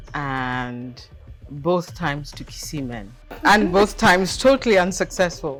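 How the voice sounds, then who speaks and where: Music plays in the background as a woman with a fairly low voice makes very wide pitch swings and big swings in loudness. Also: fairly slow pace. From Kisii, Kenya. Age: 60s. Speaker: interview guest. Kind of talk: interview answer.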